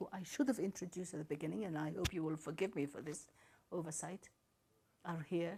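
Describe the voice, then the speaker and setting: This woman talks at a very fast pace with a fairly low pitch and a dark, mellow tone. Her voice is somewhat breathy, with ordinary pitch variation. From Somaliland. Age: 80s+. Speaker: diplomat and politician. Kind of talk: formal speech then Q&A. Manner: formal.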